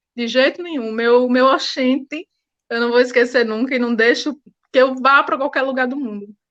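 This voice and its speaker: Speaking with a strong Sergipe accent, a woman uses a high pitch, fairly even intonation and a moderate pace. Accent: Sergipe Brazilian Portuguese, kept strong. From Brazil, Sergipe (Aracaju area). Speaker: interview guest. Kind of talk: casual interview, personal story.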